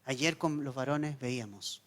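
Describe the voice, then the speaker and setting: A man preaching a sermon as pastor, telling the story dramatically with wide swings between loud emphasis and hushed lines. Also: mid-range voice, measured pace. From Chile.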